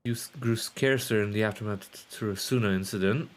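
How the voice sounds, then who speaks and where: A man's voice: on the low side, quick pace. A man doing casual live game commentary, rambling and sweary, sometimes reading on-screen text aloud. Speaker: game streamer.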